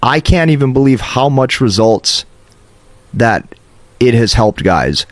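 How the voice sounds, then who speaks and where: A man's voice: medium pitch, animated, slow, no room sound. A man speaking as a coach in an emphatic, instructive motivational monologue, often checking in with "okay". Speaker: host, dating advice coach. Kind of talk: motivational advice monologue to camera.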